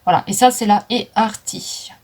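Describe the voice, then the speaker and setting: A woman's voice: mid-range voice, moderate pace, a little mellow. A woman chatting casually through a makeup declutter, with frequent fillers, stumbling over English names. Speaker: vlogger selling makeup. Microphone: phone.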